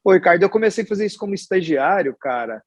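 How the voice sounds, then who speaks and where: As a guest in a casual interview, a hospital executive in his forties from Goiás, Brazil, recounts his life in Brazilian Portuguese with a Goiás accent. His husky voice sits a little higher than most men's, and he's animated and fast, rambling warmly with restarts and tag questions. The sound is close and dry, with no echo.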